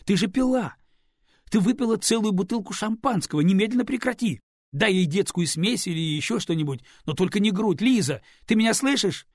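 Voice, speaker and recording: A man's voice: sits high, lively intonation, moderate pace, no echo, clean studio sound, voice pushed up. Man doing an alarmed stern young father. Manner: shouting, reproachful.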